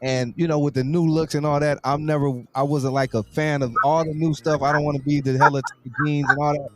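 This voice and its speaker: A man's voice: a little high, level tone, fairly quick, noisy background. A man hosting a casual interview, talking in slangy, informal phrases and repeating words as he works toward questions. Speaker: talk show host, interviewer.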